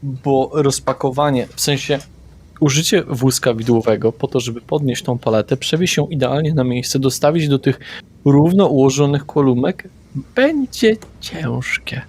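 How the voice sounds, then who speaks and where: Guy running a vampire tabletop game, mid-pitch voice, slow and thoughtful. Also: darkish tone, slightly rough. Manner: deliberate, describes scenes with pauses and fillers. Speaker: game master.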